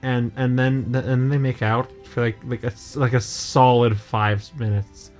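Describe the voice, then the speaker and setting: A man's voice: mid-range voice, little pitch movement, a little slow. A young man with a mid-range voice rambles through a goofy made-up story, stammering and doubling back on his words. The delivery is casual and unpolished, like a chat between friends, and faint music sits under the talk. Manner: stammering, repeats words, goofy nonsense humor. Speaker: co-host.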